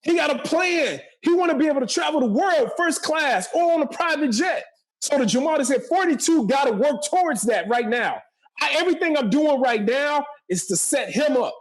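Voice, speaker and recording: A man in his forties speaks in a strikingly high register. He delivers motivational talk with a preacherly drive, hammering key phrases by repeating them. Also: animated, normal speed, low-quality recording. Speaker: podcast guest, motivational speaker and entrepreneur.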